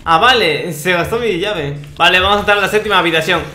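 Bragging in a playful, cocky way, this young gaming host comments on Minecraft with a Peruvian Spanish accent. His voice sits high, bright and forceful, moving at a quick clip in a roomy space with a little background noise.

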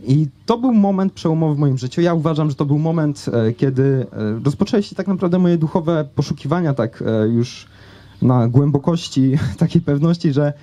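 Young guy on an outdoor stage with a handheld mic, mellow voice, lots of ums. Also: fairly high pitch, lively intonation, moderate pace. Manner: conversational with many fillers and hesitations. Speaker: speaker giving a talk. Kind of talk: personal story told to an audience. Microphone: handheld microphone.

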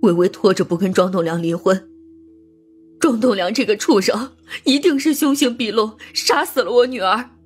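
A woman playing a bitter, domineering older mother in an audiobook drama, scornful and ranting in a husky voice. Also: medium pitch, moderate pace, faint music behind, natural voice. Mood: bitter, accusing. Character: bitter, domineering, sharp-tongued older mother of a murdered daughter.

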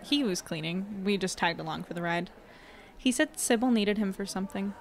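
A woman's voice: mid-range voice, normal speed, gravelly, close to an everyday voice. A woman playing an uneasy, thoughtful investigator in an audio drama, speaking casually and naturally. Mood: conversational.

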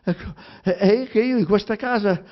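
A man with a Romagna accent reading a theatrical monologue aloud, halting and stammering, full of repetitions and fillers. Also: high voice. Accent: Romagna Italian. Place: public library reading event. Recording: dull lo-fi recording.

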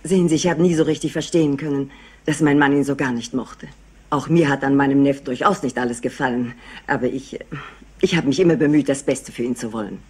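A woman's voice: rumbling low, a little fast, a little mellow, husky. A woman playing an anxious, bereaved company heiress in a crime drama, earnest, hesitant and pleading. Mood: troubled, uncertain. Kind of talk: German crime drama acting.

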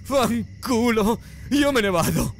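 A man voicing a frantic, cowardly young man in an audiobook, shouting orders and panicked questions. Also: very high-pitched, expressive, takes it slowly, faint music behind, voice pushed up, full character voice.

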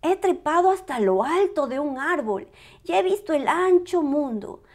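A woman's voice: high-pitched, expressive, a little slow, darkish tone, pitched above the performer's own voice. A woman voicing an eager, polite little boy bear cub from a storybook, childlike and earnest. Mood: proud, excited.

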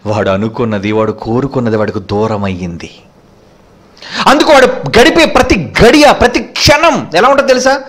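A man's voice: mid-range voice, normal speed. A man with a Telugu accent preaching a sermon, asking rhetorical questions and acting out quoted speakers. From India. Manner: animated, rhetorical questions, acts out quoted lovers.

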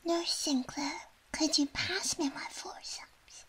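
A woman in a whispered role-play as a quirky, soothing, slightly shady surgeon, talking gently and playfully as if giving personal attention. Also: high voice, fairly even intonation, slow pace, poor audio. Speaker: ASMR performer playing a doctor.

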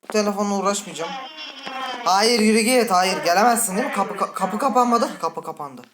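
A woman playing a horror game and commenting with a Turkish accent, chatty and full of swearing, breaking into startled high shrieks. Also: a little fast, noisy background. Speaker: gaming channel host. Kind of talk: let's play commentary. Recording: faint game music behind.

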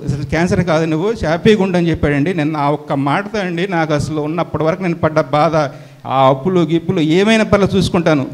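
A middle-aged man, giving an earnest, halting, emotional church testimony. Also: fairly high pitch, darkish tone.

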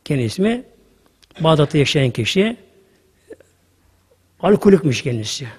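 A male preacher giving a sermon, telling a story with sudden loud rises and hushed asides. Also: fairly high pitch, sing-song, moderate pace, husky. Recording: hall reverb.

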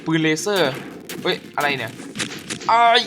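Excitable man cursing through a game. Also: a little high, measured pace. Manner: excitable, profane, keeps shouting "come here" at enemies. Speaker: gaming YouTuber. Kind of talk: casual gameplay commentary. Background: game music.

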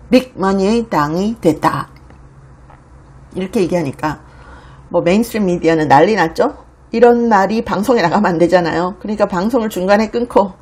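Husky woman giving animated news commentary. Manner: animated, mimics quoted people with raised pitch. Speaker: host of a foreign news commentary channel.

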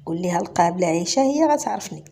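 A woman's voice: lowish voice, lively intonation, very fast, vocal fry, warm tone. A woman doing a chatty Moroccan midwife. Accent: Moroccan Arabic. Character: older woman, a midwife, familiar and pleading.

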